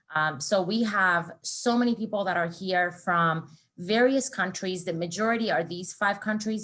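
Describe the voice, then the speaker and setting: A woman with a Persian accent, medium pitch and ordinary pitch variation, at a moderate pace with hardly any pauses. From Iran, moved to US at 14. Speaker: recruiter. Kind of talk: presentation. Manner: frequent fillers (um, uh).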